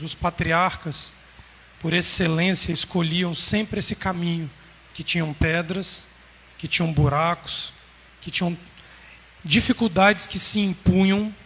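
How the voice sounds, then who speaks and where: A man preaches a sermon in a fairly high voice, pausing for emphasis. His words ring out with a long reverb in a large hall. A faint hum of noise sits behind him. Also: a bit bright. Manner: measured, emphatic preaching with pauses. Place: congregation hall.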